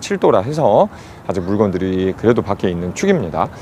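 An unremarkable speaking voice with lively intonation moves at a moderate pace, with a dry sound with no echo and light background noise. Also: man. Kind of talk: casual vlog chat. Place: market. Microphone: phone near.

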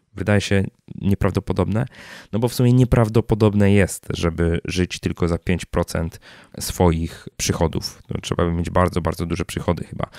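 A man with a very deep, low pitch, ordinary pitch variation and a moderate pace, in a dry, close sound with no echo on a very clean recording with a silent background. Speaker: personal finance podcaster and blogger. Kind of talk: live audience Q&A answers. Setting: live meeting with audience. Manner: animated.

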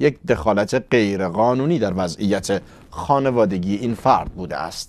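The speaker goes at a moderate pace with ordinary pitch variation, and the sound is dry with no echo. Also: man. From Iran. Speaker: news presenter. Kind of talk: news reading. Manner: formal. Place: studio. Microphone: lapel.

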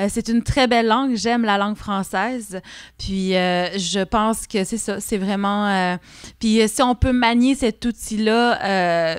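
A woman with a fairly high pitch talks at a very slow pace with fairly even intonation, in a dry sound with no echo against a quiet background. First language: Innu (speaking French). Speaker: author and French teacher; French teacher. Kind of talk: interview. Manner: hesitant, many fillers. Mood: warm, reflective. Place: hall. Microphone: podium.

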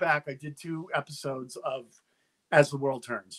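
A man with an American accent talks over a quiet background. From Rhode Island, US. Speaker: actor and painter; actor. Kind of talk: casual interview chat. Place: home room. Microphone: video call.

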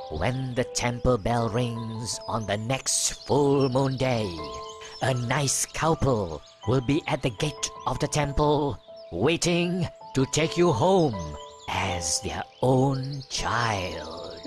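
Over clear background music, a man does a cartoonish character voice at a medium pitch, with lively intonation and a very slow pace. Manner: silky, manipulative.

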